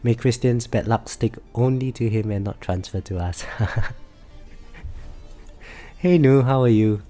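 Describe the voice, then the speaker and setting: This live game streamer has a cold, and his stuffed-up nose makes his medium-pitched voice sound nasal. He chats in an unhurried, relaxed way, often hesitating, adding fillers, and correcting himself. Music plays faintly behind him.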